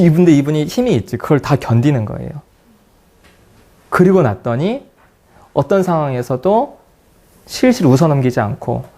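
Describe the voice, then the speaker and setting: Animated man telling a lecture story. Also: on the high side. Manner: animated storytelling, acting out dialogue in quotes. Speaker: psychology lecturer. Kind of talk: lecture with anecdotes.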